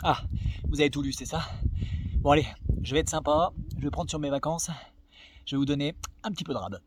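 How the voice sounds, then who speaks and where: A man's voice: a little high, a little fast. A man teasing his viewers in a half-whispered, playful way. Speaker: book vlogger. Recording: clear background noise.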